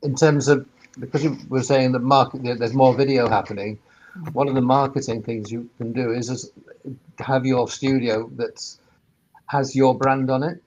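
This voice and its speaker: Man explaining haltingly on a panel. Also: mid-range voice, steady tone, darkish tone, dull audio, a little hiss or hum. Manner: halting, repeats words as explaining. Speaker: webinar panellist, sound engineer turned workspace operator. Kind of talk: informal expert panel discussion.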